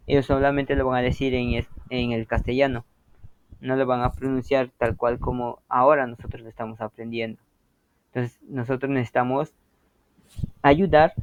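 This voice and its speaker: A man's voice: mid-range voice, lo-fi sound. A man teaching an interactive language lesson, patiently explaining and often checking that students follow.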